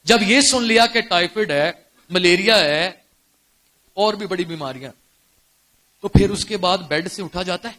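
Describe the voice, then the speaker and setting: A male pastor with a Pakistani accent preaching a sermon in church, firing rhetorical questions at the congregation and swinging between quiet storytelling and loud exclamations. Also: high-pitched, pauses often. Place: church service before a congregation.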